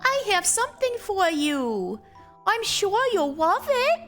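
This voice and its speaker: A haunted, guilt-ridden mother, as a woman plays her, her high voice slow and measured as she broods. Faint music plays behind her. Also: big pitch swings, fairly bright tone, full character voice. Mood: gentle. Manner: anxious, brooding inner monologue. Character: frightened, guilt-ridden mother of a strange child.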